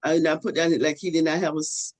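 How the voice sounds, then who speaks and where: A man's voice: a little high, steady tone, fast talker, rough recording. Hesitant older man sharing in class. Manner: hesitant, restarts often. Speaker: class participant. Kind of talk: casual group talk.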